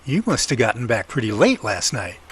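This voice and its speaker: A man's voice: mid-range voice, very animated, fairly quick, slight background noise, close to an everyday voice. An actor playing an eager, curious male companion in casual, inquisitive audio drama dialogue. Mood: curious, upbeat.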